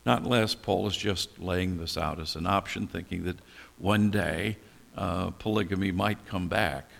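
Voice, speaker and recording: An older male pastor with a gravelly edge to his voice teaches from scripture, asking himself questions and answering them in a relaxed, conversational manner. His voice carries a long reverb, as if recorded in a large hall. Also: deep voice, unhurried. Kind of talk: expository Bible teaching.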